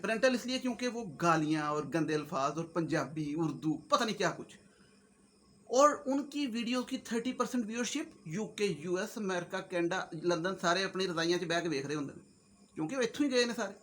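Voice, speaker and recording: A man's voice: high-pitched, fairly bright tone, slight background noise. A man from Pakistan with a Punjabi accent, speaking casually and jokingly as a vlogger, mixing Urdu, Punjabi and English. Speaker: YouTuber host. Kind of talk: casual comic-motivational monologue.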